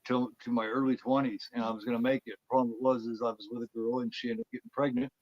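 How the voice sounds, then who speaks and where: Fast-talking rambling man storyteller. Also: mid-range voice, dry recording, muffled recording. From Indiana, US. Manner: rambling, animated, repeats words when excited. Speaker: interview guest, former wrestler. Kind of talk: casual storytelling.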